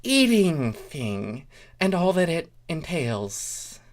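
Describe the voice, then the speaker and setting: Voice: medium pitch, big pitch swings, slow pace, voice pushed up. A performer voicing an earnest, over-explaining male changeling creature in a cartoon fan story.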